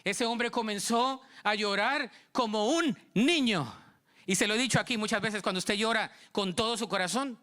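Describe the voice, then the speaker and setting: A Colombian man preaches in church with a high, bright voice. He tells his story with lively energy, acting out both sides of each conversation. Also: normal speed. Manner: storytelling, acting out dialogue, animated. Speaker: pastor. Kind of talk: sermon.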